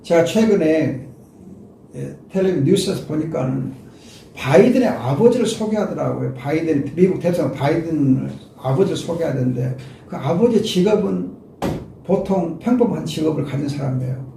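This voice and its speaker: A man's voice: a little high, lively intonation, moderate pace, vocal fry, mellow, recorded from a distance, a little hiss or hum. Older male pastor preaching in an echoey room. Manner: emphatic preaching, addresses listeners directly. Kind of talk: expository sermon.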